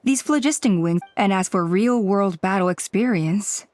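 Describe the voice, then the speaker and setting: A woman playing a grave, courteous tribal elder in a video game, speaking deliberately and diplomatically. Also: mid-range voice, animated, a little mellow, close to an everyday voice. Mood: earnest, grave.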